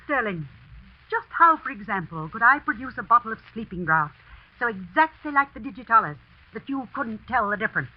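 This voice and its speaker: A woman's voice: fairly high pitch, sing-song, a little fast. An actress playing a scheming housekeeper who turns desperate when she is accused, in a muffled 1940s radio broadcast. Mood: cold scorn.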